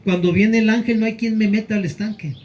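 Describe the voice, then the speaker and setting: A man's voice: high voice, fairly even intonation, fairly quick, a little mellow, pitched above the performer's own voice, natural voice. A man voicing a resigned paralyzed man in a sermon, weary and plaintive.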